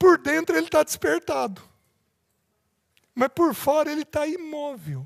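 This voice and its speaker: At a fairly slow pace, a man speaks with an extremely high pitch, the sound dry and close with no echo on a very clean recording with a silent background. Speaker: preacher. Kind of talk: sermon.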